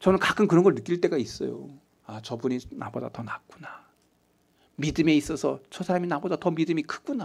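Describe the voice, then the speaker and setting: Speaking at a fairly quick pace, a man with a fairly high pitch uses lively intonation and vocal fry. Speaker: pastor. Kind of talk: sermon. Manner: conversational, switches to casual speech.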